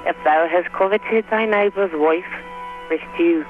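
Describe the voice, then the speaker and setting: A man's voice: sits high, a little slow, over music. A man voicing a recorded confession hotline menu heard over a tinny phone line, formal and scriptural in wording. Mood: solemn formal.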